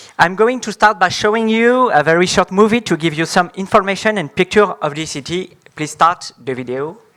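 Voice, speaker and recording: A man with a French accent talks at a high pitch and a fairly quick pace, with hardly any pauses. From France. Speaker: deputy mayor and political science lecturer. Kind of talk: conference presentation; live translation of a promotional video. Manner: halting.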